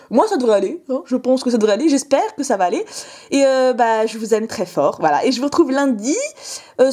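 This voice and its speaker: A woman's voice: fairly high pitch, darkish tone. A young woman chatting casually to camera while opening trading cards, bubbly and playful, laughing often with a put-on southern French lilt. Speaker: card-opening vlogger.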